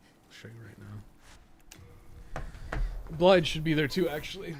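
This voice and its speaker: A man's voice: fairly high pitch, animated, unhurried. Man rambling through gameplay, noisy recording. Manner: rambling, muttering to himself as he plays. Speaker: host of a game guide livestream. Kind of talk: casual video game livestream commentary, thinking aloud.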